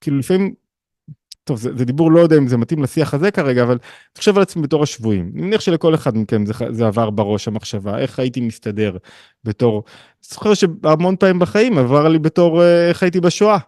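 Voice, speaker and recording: Animated man teaching a video-call class. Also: no echo, clean studio sound. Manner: animated, leaps up in pitch for emphasis, acts out quoted voices; conversational with slang and many restarts. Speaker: teacher of a weekly online class. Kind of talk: informal spiritual lesson over video call.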